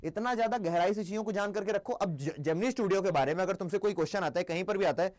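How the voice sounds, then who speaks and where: A young man teaching an English exam lesson on a live stream. He talks in a chatty way, quizzes himself aloud, mixes Hindi and English, and slows down to dictate key points. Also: high voice, a little mellow.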